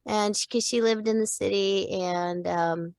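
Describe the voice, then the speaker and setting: Chatty woman with a gravelly edge. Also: medium pitch, steady tone, measured pace, a little mellow, no room sound. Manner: chatty, rambling storyteller with restarts and quoted voices. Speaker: voice actor guest. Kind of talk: casual interview chat.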